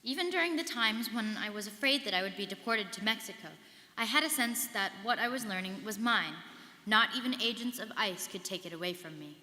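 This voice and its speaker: A young woman with a bright, mid-pitched voice plays a resolute alumna recounting her trials. She reads from a script, firm and measured, in a strongly echoing hall. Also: animated. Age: young adult. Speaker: student performer in a dramatic reading. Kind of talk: scripted first-person dramatic reading. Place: large hall. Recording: very echoey reverberant hall.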